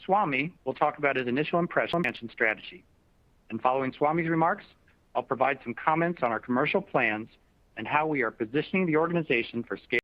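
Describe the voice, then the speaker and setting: A man speaking as a chief executive, giving a prepared earnings presentation in a formal, measured corporate style. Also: medium pitch, no echo. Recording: dull, dry conference call audio.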